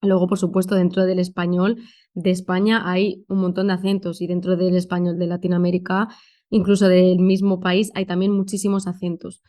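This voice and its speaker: A woman's voice: on the low side, level tone, a little fast, warm tone. A woman from Spain with a Madrid accent, a conference interpreter answering thoughtfully in a podcast interview, with many fillers. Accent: Madrid Spanish.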